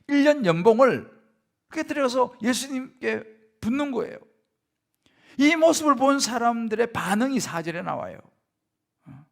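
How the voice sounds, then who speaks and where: A man's voice: very high-pitched, gravelly. A middle-aged male pastor preaching a sermon in a church, speaking conversationally and often turning to the congregation with rhetorical questions. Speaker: senior pastor. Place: church sanctuary.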